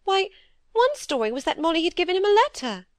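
In a very animated, brisk performance, a woman narrator plays a timid old spinster lady, her voice lifted high and trembling with worry. Fretful and near tears, the character pleads in a fluttering rush. Close, dry audio with no echo.

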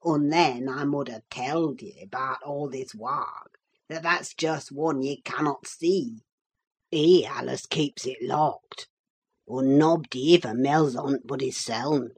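A woman voicing a surly old male servant with a broad put-on Yorkshire dialect, gruff and sneering in a slow drawl. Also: a bass voice, darkish tone, pitched below the performer's own voice, full character voice. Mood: mocking. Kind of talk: audiobook reading.

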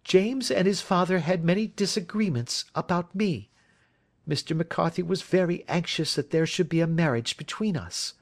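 A man's voice: high voice, normal speed, pitched above the performer's own voice. A man reading aloud as an earnest young woman who urgently pleads for a friend. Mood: confiding. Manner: urgent, imploring.

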